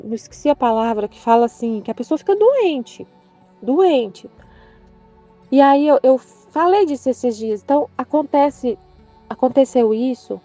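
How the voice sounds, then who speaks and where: Earnest Brazilian woman, halting spiritual reflection. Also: fairly high pitch. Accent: Brazilian Portuguese. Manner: earnest, rambling, with frequent restarts and hesitations. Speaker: Catholic channel presenter. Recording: dull lo-fi sound with soft background music.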